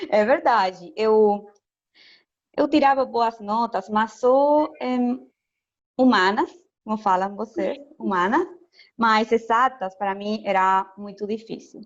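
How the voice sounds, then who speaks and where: Through a muffled recording, a woman with a slightly high voice speaks slowly in hesitant, careful Portuguese, her Chilean Spanish accent showing. She is an education lecturer from Chile, a native Spanish speaker, who laughs a lot while being interviewed casually over video call.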